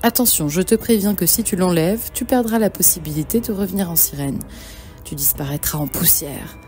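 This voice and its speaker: A woman's voice: lowish voice, fairly quick, mellow, natural voice. A woman voicing a stern sea witch in a cartoon fairy tale, cautioning and commanding. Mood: stern warning. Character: stern, warning sea witch granting a wish. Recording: music behind the voice.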